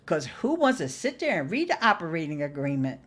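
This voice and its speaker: A woman's voice: low voice, very animated, a little fast. A middle-aged woman chatting casually to livestream viewers as host, folksy and playful, leaning on words for emphasis. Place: small indoor home studio. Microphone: desktop microphone close by.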